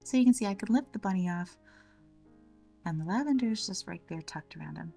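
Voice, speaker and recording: A woman with a slightly scratchy voice from a cold, gently narrating a step-by-step craft tutorial in a chatty way. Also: medium pitch, lively intonation, fairly quick, vocal fry, distant mic, soft background music. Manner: gentle, chatty, fond of the word little. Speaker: craft channel host.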